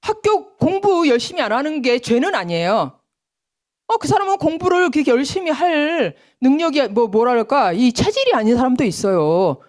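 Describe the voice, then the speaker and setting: A woman's voice: sits high, moderate pace. A woman preacher giving an early morning prayer sermon in a church, often acting out nagging voices of other people as she speaks. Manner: lively, acts out nagging voices in quotes.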